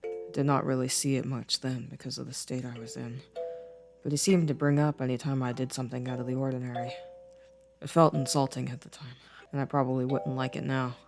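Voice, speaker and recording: A man playing a gentle, introspective boyfriend in an intimate ASMR roleplay, soft-spoken with careful, formal wording. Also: medium pitch, flat delivery, fairly quick, vocal fry, music in the background, natural voice. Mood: wistful, reflective. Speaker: audio roleplay voice actor.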